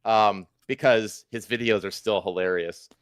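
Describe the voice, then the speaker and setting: A man's voice: lowish voice, steady tone, a little slow, clear, resonant tone, no room sound, clean studio sound. A man hosting a livestream, ranting casually with emphatic, repetitive, profane talk. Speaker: livestream host.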